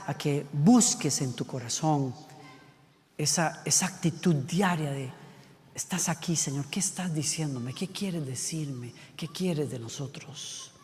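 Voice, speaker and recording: Hushed-then-urgent male preacher in a reverberant hall. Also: on the high side. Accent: Latin American Spanish. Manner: shifts from brisk rhetorical questions to hushed near-whispers. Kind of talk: sermon.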